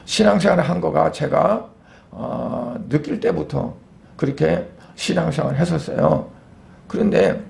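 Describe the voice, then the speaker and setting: A man, a pastor, preaching a Sunday sermon in a conversational way, asking rhetorical questions and pausing on fillers. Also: a little high, gravelly, a little mellow.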